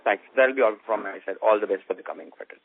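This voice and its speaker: Halting male caller on narrow phone line. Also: lowish voice. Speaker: investor caller asking questions. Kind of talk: conference call question.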